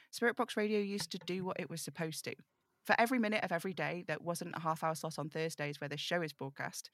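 A woman playing an apologetic host of an eerie radio show in an audio drama read-through, conversational, self-deprecating and measured. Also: fairly low pitch, a bit bright, dry recording, clean studio sound. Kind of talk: audio drama table read, scripted monologue.

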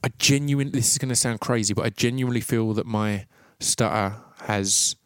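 A man's voice: lowish voice, no room sound. Stuttering male podcast host, dry sound. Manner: halting, repeats sounds at word starts. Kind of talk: casual interview and reflective monologue.

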